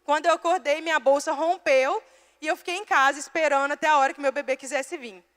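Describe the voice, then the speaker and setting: A woman's voice: high-pitched, fast, fairly bright tone. A young woman preaching in a church, telling a personal story in a chatty way and addressing listeners directly before reading scripture. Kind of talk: sermon with personal testimony. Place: church hall. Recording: long hall reverb.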